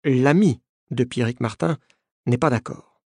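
A man narrating a story in the first person with calm, clearly articulated storytelling. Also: medium pitch, a little slow, no echo, clean studio sound. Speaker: audiobook narrator.

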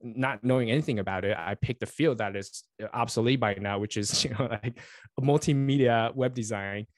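A man's voice: medium pitch, moderate pace, no echo, studio quality. A man in his forties who grew up in Taiwan, a native Chinese speaker, chatting as an interview guest in a friendly, rambling way with many fillers and restarts, talking over a remote call. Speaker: guest, network engineer and author. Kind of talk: casual interview chat.

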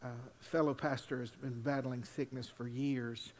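An older man, a pastor preaching at a pulpit microphone, mixing folksy asides with loud, drawn-out scripture reading. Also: mid-range voice, steady tone. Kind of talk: sermon. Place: church sanctuary. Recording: long reverb in a church hall.

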